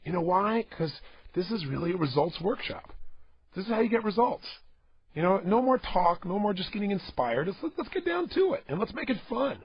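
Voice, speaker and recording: A man's voice: sits high, sing-song, fairly quick, highs cut off. A man giving a motivational talk to a studio audience, emphatic, repeating himself and urging listeners to act. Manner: emphatic, repetitive and exhorting. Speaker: motivational speaker.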